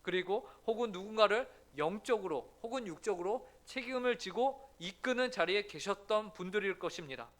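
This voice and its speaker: A man's voice: sits high, animated, normal speed, few pauses, a bit bright. A man pastor giving an earnest sermon in a church, often putting questions to the congregation.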